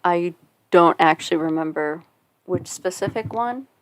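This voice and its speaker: A young woman streaming from home, chatting quietly and softly while she draws, with lots of hesitant ums, into a cheap desktop condenser mic. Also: lowish voice, measured pace. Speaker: art streamer. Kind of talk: casual chat while drawing. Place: at home, family nearby.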